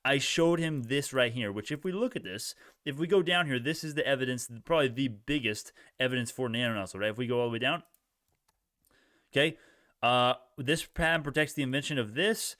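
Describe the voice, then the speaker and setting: Young male streamer, quick pace, clean close dry sound, informal bro slang, off-the-cuff market commentary. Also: medium pitch, fairly bright tone, no room sound. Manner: informal bro slang, thinks aloud, repeats himself. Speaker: livestream host, retail stock trader. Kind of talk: casual live stock-chart commentary, reacting to chat.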